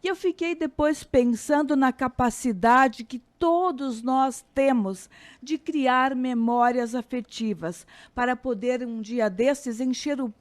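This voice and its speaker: A woman with a Brazilian accent giving a calm, reflective scripted radio commentary, slowing down on key phrases. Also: high-pitched. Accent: Brazilian Portuguese.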